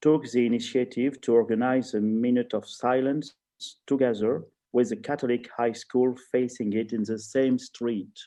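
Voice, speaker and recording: With a French accent, a man speaks at a fairly slow pace and medium pitch, his tone dark and mellow, against a quiet background. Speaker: archbishop. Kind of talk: reading aloud. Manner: halting.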